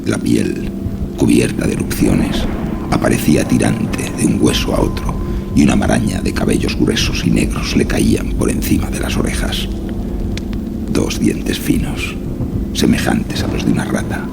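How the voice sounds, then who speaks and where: A man narrating a horror story in a dramatic audiobook style, with a very deep, gravelly voice. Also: normal speed, very noisy.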